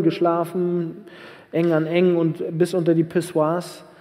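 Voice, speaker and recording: A man's high-pitched, monotone voice with flat intonation, a fairly slow pace, audible room echo and noticeable background noise. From northern Germany, Flensburg. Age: 30s. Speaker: former drug dealer turned preacher. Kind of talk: testimony; sermon. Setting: youth church service with live audience.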